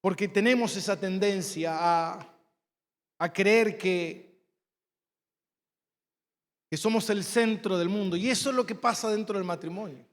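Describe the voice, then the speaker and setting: A man's voice: sits high, a little slow, long pauses. A man with an Argentine accent, preaching a sermon as pastor, emphatic and repetitive, telling personal stories. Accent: Argentine Spanish. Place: church sanctuary. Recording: long church hall reverb.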